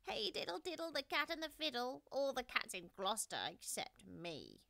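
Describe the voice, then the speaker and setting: A woman's voice: high voice, huge pitch swings, normal speed, creaky, bright, forceful tone, no echo, voice pushed up, heavily acted. A woman voicing a hungry, vexed tomcat in a storybook reading, speaking in a sighing, plaintive way.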